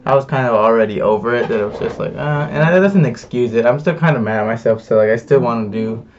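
A man's voice: medium pitch, quick pace, far from the mic, lo-fi sound, a little hiss or hum. Laid-back young man rambling casually. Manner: rambling, filler-heavy, laid-back slang. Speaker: vlogger. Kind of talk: casual confessional chat.

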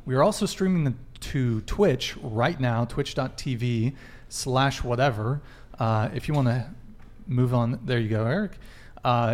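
A man hosting a casual panel talk show, speaking in an offhand, loosely organized way. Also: medium pitch.

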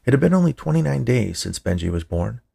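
A man's voice: medium pitch, big pitch swings, quick pace, creaky, mellow, breathy edge. A man reading a scripted short story in the manner of an audiobook narrator. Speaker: writer, narrator and producer of a fiction podcast.

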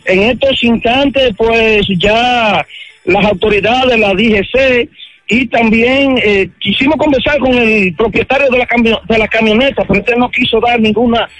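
A man's voice: very high-pitched, unhurried, a bit bright, no room sound, soft background music, low-quality recording. A man with a Dominican accent giving an unscripted live field report, hesitant and often groping for words. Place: outdoors at a roadside.

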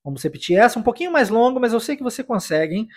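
A man with a fairly high, husky voice teaches English on a podcast. He explains each phrase in Portuguese and then says it over and over for the listener to repeat, in a patient classroom manner. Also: big pitch swings, rapid-fire, darkish tone. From United States. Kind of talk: podcast language lesson.

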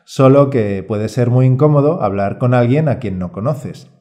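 Male Spanish teacher, co-host, warm dark tone, calm scripted read. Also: medium pitch, moderate pace. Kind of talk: scripted course presentation.

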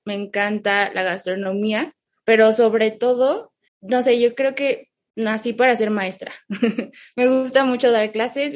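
A woman from Texas speaking as a guest in a casual interview, telling stories with quoted asides and little tag questions. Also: medium pitch. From grew up in McAllen, Texas, United States, with Mexican parents. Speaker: interview guest, online English teacher.

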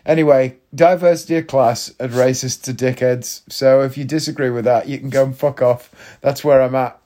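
A male podcast host delivers a casual chat monologue in a chatty, blunt and jokey way, often rambling and restarting. His mid-range voice has a dark tone, fairly even intonation and normal speed.

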